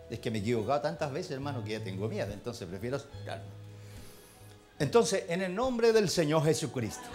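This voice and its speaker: A Chilean man delivers a church sermon in a slightly raised voice. He talks to the congregation in a folksy, familiar way and builds into fervent prayer. Quiet instrumental music plays underneath. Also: fairly high pitch. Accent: Chilean Spanish. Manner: folksy, addresses congregation as brother. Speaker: preacher. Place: church hall.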